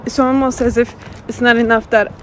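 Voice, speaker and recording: A woman's voice: fairly high pitch, level tone, brisk, noisy background. A young woman from Turkey with a Turkish accent, chatting casually to her phone camera in English and dropping in Turkish words, a bit self-deprecating. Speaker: vlogger. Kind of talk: casual vlog chat. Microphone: phone held in hand.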